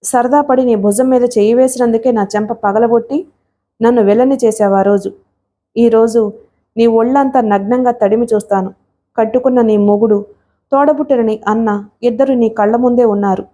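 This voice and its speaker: A woman's voice: fairly high pitch, steady tone, moderate pace, dark tone, natural voice. A woman voicing an arrogant young male villain who taunts coldly in a storybook reading. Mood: gloating. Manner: taunting, cold and gloating.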